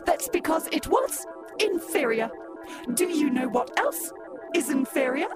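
A condescending robot pitchwoman, voiced by a woman from an old-time radio ad. She sings out her slogans slowly in a high, lilting voice and sneers at puny humans. Music plays behind her. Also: very animated. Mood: haughty. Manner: mocking, sing-song sales pitch. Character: haughty female robot pitchwoman, scornful of humans. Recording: music bed under voice.

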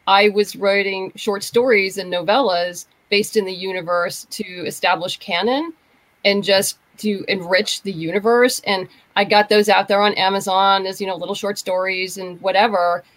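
A woman with a mid-pitched voice in a close, dry recording. She explains things casually and conversationally, as a guest on a talk show. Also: fairly even intonation, moderate pace, no room sound, low-quality recording. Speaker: podcast guest, writer.

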